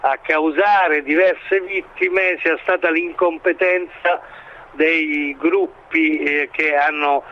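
Higher-voiced man, halting analytical interviewee. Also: fairly even intonation, muffled recording, slight background noise. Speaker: expert commentator being interviewed. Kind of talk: interview analysis of current affairs.

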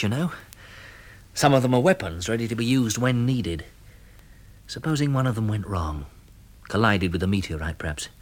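An actor playing a calm, protective survivor of a catastrophe in a 1960s radio drama, speaking in a measured, reassuring way. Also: male voice, medium pitch, natural voice. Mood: grave, reasoning.

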